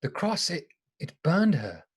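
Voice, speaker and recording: A man playing an earnest, excitable gentleman among vampire hunters in a live radio play. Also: a little high, unhurried, heavy background noise.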